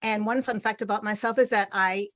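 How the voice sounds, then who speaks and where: A woman from Texas introducing herself on a video call in a measured, composed way. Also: medium pitch, fairly even intonation, a bit bright.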